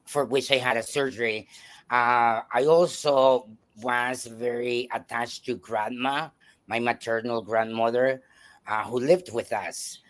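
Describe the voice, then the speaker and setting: A man from El Salvador with a Salvadoran Spanish accent, a native Spanish speaker, telling his life story as a guest with many pauses and restarts. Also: medium pitch, steady tone. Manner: hesitant, many fillers and restarts. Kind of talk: personal storytelling in a talk show.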